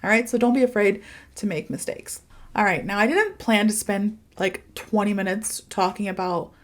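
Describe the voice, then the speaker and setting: A woman's voice: mid-range voice, moderate pace. A woman hosting a casual motivational podcast like a teacher, chatty and informal, with emphatic phrasing and giggly asides. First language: English. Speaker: podcast host and English teacher.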